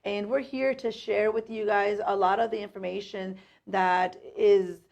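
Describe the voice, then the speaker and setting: Earnest woman with a gravelly edge. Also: medium pitch, fairly even intonation, a little slow, a little mellow. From San Jose, California. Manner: friendly, earnest, uses "um" often. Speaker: mortgage loan officer and podcast co-host. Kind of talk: casual podcast chat.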